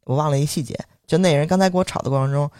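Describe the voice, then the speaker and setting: Fast-talking young man with a Beijing accent. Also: on the high side, dry recording, studio quality. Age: young adult. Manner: animated, indignant, acts out quoted voices. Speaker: podcast co-host. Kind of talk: storytelling casual chat.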